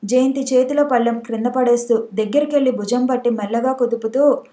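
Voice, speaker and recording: A woman's voice: a little high, fairly quick, warm tone. A woman narrating a novel as an audiobook, reading steadily and evenly.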